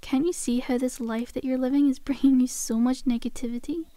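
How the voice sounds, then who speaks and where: A woman's voice: sits high, steady tone, a little fast, mellow, no echo, close to an everyday voice. A woman playing a cheeky, cajoling undead zombie girl in an ASMR roleplay, with a casual, teasing, conversational delivery. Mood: cajoling, upbeat.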